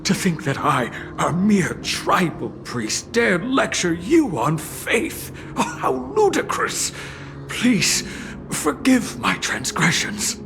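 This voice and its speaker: A man's voice: sits high, sing-song, takes it slowly, vocal fry, music in the background, heavily acted. A man voicing a humble, devout tribal priest who is fervent and stammers when shaken. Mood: remorseful.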